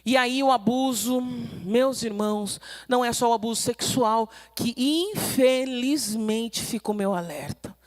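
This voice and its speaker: A middle-aged Brazilian woman preaching with a high, bright voice. She teaches with emphasis, pressing each point home, and slips into acted-out voices when she quotes someone. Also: unhurried. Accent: Brazilian Portuguese. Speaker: pastor. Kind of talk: sermon teaching.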